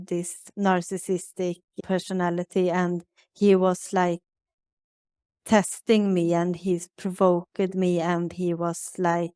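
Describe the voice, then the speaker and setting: A Swedish woman in her thirties, a native Swedish speaker, talks haltingly in English as an interview guest, searching for words. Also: on the low side, clear, resonant tone, no room sound, clean studio sound. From Sweden. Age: 30s. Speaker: guest, spiritual advisor. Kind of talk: conversational interview.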